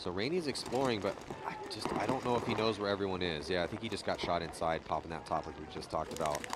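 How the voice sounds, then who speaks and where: A man's very deep, low voice with an American accent and an animated tone, very fast in pace, over noticeable background noise. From San Diego, US. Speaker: paintball commentator. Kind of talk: live sports commentary. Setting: outdoors at event, rainy morning. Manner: animated, fast-paced play-by-play.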